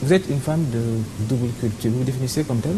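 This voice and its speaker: A man hosting a TV morning show, asking drawn-out questions and backing the guest with frequent murmurs. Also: medium pitch, background noise. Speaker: TV host. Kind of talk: TV interview. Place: TV studio set.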